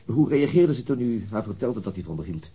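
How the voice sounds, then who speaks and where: Radio drama role: courteous, persistent police inspector; very husky, lively pitch, formal probing. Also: male voice, a little fast, full character voice. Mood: hesitant, probing.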